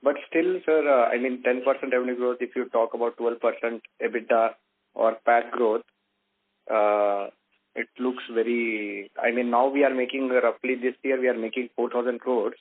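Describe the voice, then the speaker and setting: A man's voice: mid-range voice, flat delivery, normal speed. A man, an investor on an earnings call who presses the management with direct questions. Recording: tinny phone line.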